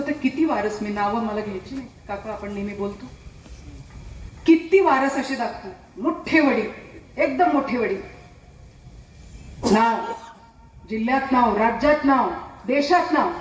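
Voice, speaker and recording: Woman pleading at a rally, echoey and distant. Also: on the high side. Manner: pleading, repetitive rhetorical appeals. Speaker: political speaker at a rally. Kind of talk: impassioned public speech. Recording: echoey, distant from the mic, light noise.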